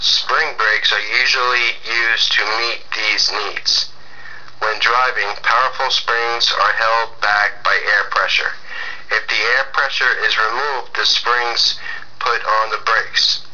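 A man at a fairly slow pace, his loudness very even throughout. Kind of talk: reading aloud from a manual.

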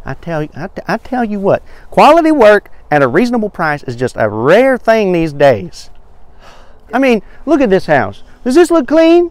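A man speaks at a high pitch and a moderate pace, with very wide pitch swings. The sound is dry with no echo. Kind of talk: comedic sketch monologue. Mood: exasperated, indignant. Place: garden. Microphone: lapel.

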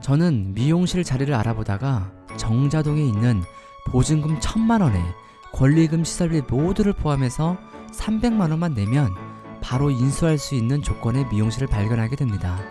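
With music in the background, a man with a fairly high pitch speaks at a moderate pace, his pitch swinging very widely. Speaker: hair salon owner. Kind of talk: ASMR radio-style personal story. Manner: soft-spoken, whispered.

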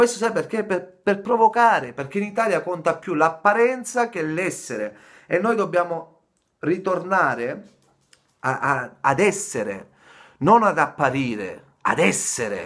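A man's high-pitched voice with very wide pitch swings, at a fairly slow pace over a quiet background. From Germany, Italian family. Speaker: YouTuber. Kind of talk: vlog rant. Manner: halting. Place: kitchen. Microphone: phone near.

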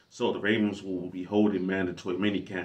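A man with a very deep, low pitch at a fairly quick pace. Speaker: sports fan channel host. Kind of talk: commentary. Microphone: webcam.

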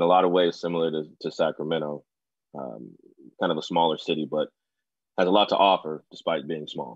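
Over a quiet background, a man talks at a fairly quick pace in a very deep, low pitch with vocal fry. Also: dry sound with no echo. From California. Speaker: economics professor. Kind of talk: panel discussion. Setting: video call. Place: home room. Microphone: video call.

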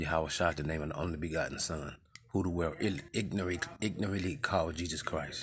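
A man with an American accent speaks at a fairly quick pace with a very deep, low pitch. His voice is somewhat breathy, his intonation fairly even, and light background noise is present. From US. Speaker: street preacher. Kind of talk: sermon. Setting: outdoors street ministry, livestreamed. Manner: emphatic, repetitive preaching delivery with scripture quoting. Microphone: phone near.

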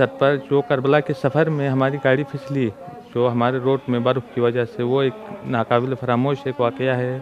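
A man with fairly even intonation, set against noticeable background noise. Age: 20s. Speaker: mountaineer; interview guest. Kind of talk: interview; interview answer. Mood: calm, earnest, devout. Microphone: headset.

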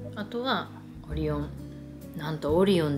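Over clear music in the background, a woman is talking. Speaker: vlogger. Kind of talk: casual vlog chat. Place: home room. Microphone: camera far.

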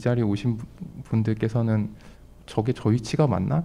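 Dark, mellow tone from a man, pitch varying in an ordinary way. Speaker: artist; panel artist. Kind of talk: panel talk. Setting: stage with audience. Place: hall. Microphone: podium.

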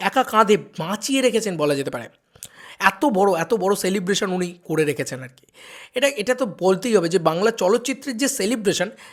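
A man with a high pitch speaks in an animated tone, with lively intonation and big swings in loudness. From West Bengal, India. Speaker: YouTuber film commentator. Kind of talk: video commentary.

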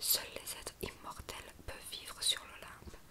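Whispering at a fairly slow pace. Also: woman. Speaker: ASMR video creator. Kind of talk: whispered reading of character dialogue in a storybook. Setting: studio microphone, binaural recording. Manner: whispered, soft, slow. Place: home room. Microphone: studio mic.

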